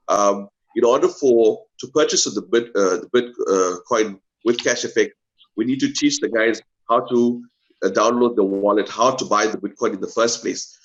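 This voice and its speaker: A man's voice: lowish voice, muffled recording. A man speaking earnestly as a guest on a video call, hesitating with many fillers. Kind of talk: casual pitch talk.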